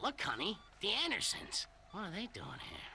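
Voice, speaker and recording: Clear background noise sits behind a cartoonish character voice that moves at a moderate pace. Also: man, high pitch for a man. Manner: meek, fussy.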